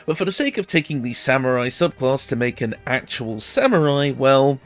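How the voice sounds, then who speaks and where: A man's voice: medium pitch, expressive, normal speed, soft background music. A man giving a casual, conversational video game guide commentary, explaining things informally, his voice a bit ill and recovering from being lost. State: ill, voice recovering after losing it. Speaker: gaming video creator presenting a character build guide.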